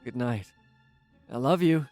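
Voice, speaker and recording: A man playing an evasive, soft-spoken boyfriend with halting speech in a naturalistic audio drama. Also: mid-range voice, no room sound, soft background music, lightly acted. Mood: guarded.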